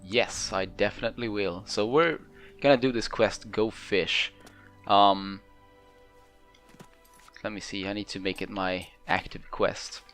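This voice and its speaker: Male let's play host, lowish voice, casual and rambling, game music underneath. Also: fairly even intonation, measured pace, long pauses, a bit bright. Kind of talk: casual unscripted game commentary.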